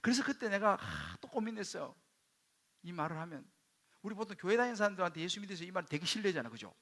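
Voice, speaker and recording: A male pastor telling a personal story in a sermon, dropping to hushed quoted asides and rising into sudden loud bursts. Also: high voice, big pitch swings, quick pace. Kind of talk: sermon testimony.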